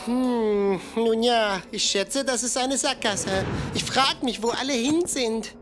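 Excitable, high-pitched cartoon boy explorer. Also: slow pace. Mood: curious. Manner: exclamatory, wondering, addresses young viewers. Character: cheerful, curious cartoon boy explorer, eager and wide-eyed. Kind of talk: animated children's show dialogue. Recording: music behind the voice.

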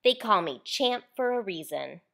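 A boastful young boy from a picture book, acted out by a woman reader. He sneers and gives in grudgingly, his pitch moving in lively swoops. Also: normal speed, gravelly. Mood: cocky.

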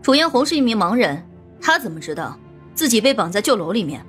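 Very animated analytical policewoman, acted by a woman. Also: fairly high pitch, fast, faint music behind. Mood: questioning. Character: female police team leader, sharp-minded and analytical.

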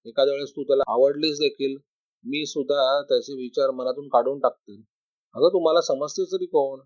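A man's voice: mid-range voice, steady tone, brisk, darkish tone, natural voice. A man voicing a vain, blunt young woman who talks with scorn and boasts. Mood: bargaining. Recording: dry, slightly dull recording.

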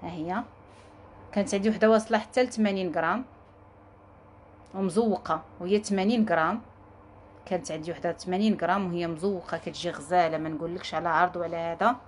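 A woman with a Moroccan accent giving a live sales pitch from her jewelry shop, coaxing viewers and repeating herself as she talks to her staff. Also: steady tone, fast talker, pauses often, slight background noise. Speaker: jewelry seller.

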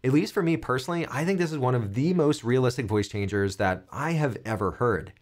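A man in his thirties presenting a software tutorial, explaining things clearly step by step. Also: mid-range voice, brisk.

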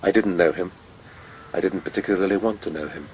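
A brooding nobleman in a radio play, acted by a man, speaks in a very deep voice. His phrasing is formal and deliberate, with faint ambience behind. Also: a little mellow, slight background noise, close to an everyday voice, poor audio. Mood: brooding, probing. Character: worldly, brooding nobleman courting a mourning woman. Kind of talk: radio drama acting.

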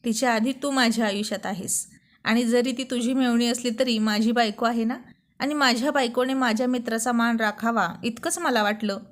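A woman's voice: on the high side, fairly even intonation, a little fast, close to an everyday voice. A woman voicing a playful, teasing young husband in a spoken storybook. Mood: earnest. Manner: playful, bantering. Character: young married man, teasing and romantic.

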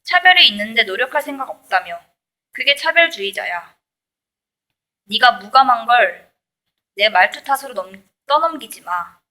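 A woman reads a nonfiction book aloud in a bright, edged voice that sits a little high. She moves through each line briskly and with point, like an audiobook narrator. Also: expressive, low-quality recording. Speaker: audiobook reader.

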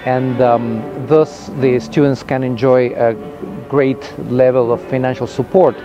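A man in his forties speaking thoughtfully and haltingly in an interview as a university music director. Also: mid-range voice, fairly even intonation, muffled recording. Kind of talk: interview talk to camera. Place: outdoors on a campus lawn.

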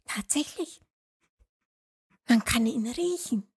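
A woman voicing a gentle, sweet little female sheep in a children's storybook, full of wonder. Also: on the high side, expressive, takes it slowly, gravelly, husky, pitched above the performer's own voice, full character voice. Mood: delighted.

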